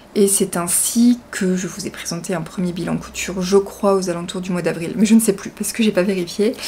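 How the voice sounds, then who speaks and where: Speaking at a fairly quick pace with hardly any pauses, the voice keeps a fairly even intonation over noticeable background noise. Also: woman, medium pitch for a woman. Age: 40s. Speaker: sewing podcaster and pattern designer. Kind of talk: casual vlog monologue. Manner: hesitant, many fillers.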